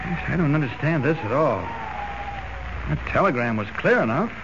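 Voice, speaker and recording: A patient, soft-spoken newsman who dodges questions; lo-fi old broadcast. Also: a little high, normal speed, crowd noise. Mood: puzzled. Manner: calm, patient, evasive. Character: mild-mannered calm male reporter. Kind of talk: 1940s radio acting. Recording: muffled hissy 1940s radio recording.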